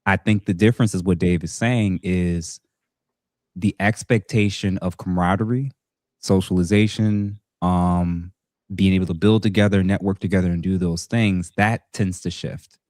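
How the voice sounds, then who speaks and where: Male host, very deep, measured and clarifying, dry studio. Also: steady tone, a little mellow, no room sound. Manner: measured, clarifying, affirming with frequent "mm-hmm". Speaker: podcast host. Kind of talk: moderating a panel discussion.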